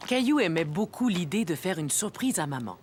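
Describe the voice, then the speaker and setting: A woman narrating a French children's cartoon as a gentle, expressive storyteller. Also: fairly low pitch, fairly quick, a little hiss or hum. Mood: storytelling.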